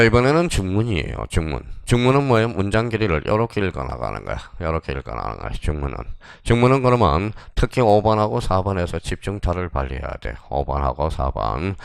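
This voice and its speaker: A male exam-prep lecturer with a low, gravelly voice that still rises and falls a lot as he drills the class. He fires short questions and answers them himself. The sound is dry and close. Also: no echo.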